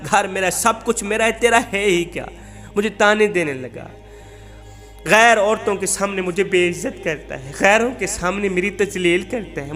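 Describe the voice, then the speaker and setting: A man's voice: high voice, fairly bright tone. A man voicing a mistreated wife who pleads in a tearful lament of repeated lines.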